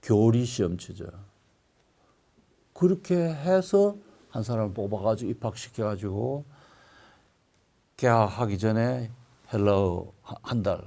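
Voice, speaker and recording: An older male pastor preaching a sermon, telling stories with sudden loud, emphatic swells. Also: fairly low pitch, animated, a little slow, creaky, long pauses.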